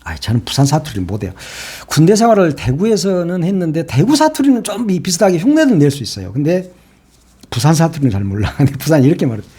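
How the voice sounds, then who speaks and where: A man's voice: fairly high pitch, big pitch swings, fast talker, dark tone, husky. A man giving solo political commentary, opinionated and emphatic, often asking rhetorical questions.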